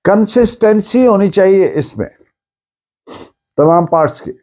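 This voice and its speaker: A Pakistani man delivers a legal lecture at an unhurried pace. His voice sits a little high for a man, yet its tone is soft and warm. He is deliberate and explanatory, restating each point in other words. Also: lively intonation. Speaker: law lecturer. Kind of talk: lecture mixing Urdu with English legal terms.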